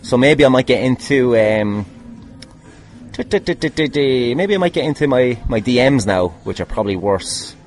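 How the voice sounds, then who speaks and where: A man's voice: medium pitch, expressive, measured pace. A man with an Irish accent telling casual, rambling anecdotes as a podcast host, jokey, sweary and self-deprecating. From Ireland. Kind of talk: casual rambling anecdotes answering fan questions.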